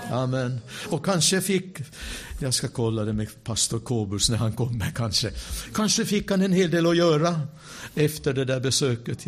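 Man telling a lively sermon story. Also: medium pitch. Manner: animated storyteller with wry asides; drops to a hush for quiet moments. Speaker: preacher.

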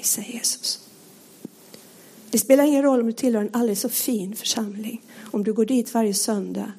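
A woman preaching a sermon, earnest and pleading, often sinking to a hushed whisper. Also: mid-range voice, breathy edge.

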